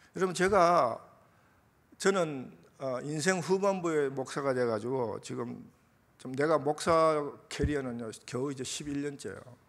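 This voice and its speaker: There is audible room echo around this man's voice. He speaks fairly slowly at a fairly high pitch. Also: ordinary pitch variation. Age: 70s. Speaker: pastor. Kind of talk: sermon. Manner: animated, conversational.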